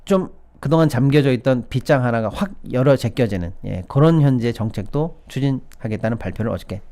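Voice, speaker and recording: Sarcastic male commentator, lively pitch. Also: brisk. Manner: sarcastic, mocks officials in put-on quotes, frequent "예" and "여러분". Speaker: political-economy commentator. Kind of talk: opinionated solo commentary.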